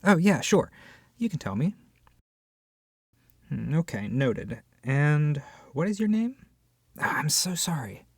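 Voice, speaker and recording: A husky, creaky voice acts out one side of a scripted roleplay conversation as an opinionated, easily flustered book club member. The delivery is expressive and hesitant, dropping into sighs and whispered asides. The sound is dry and close. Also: medium pitch, slow, long pauses, no echo. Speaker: ASMR roleplay voice actor.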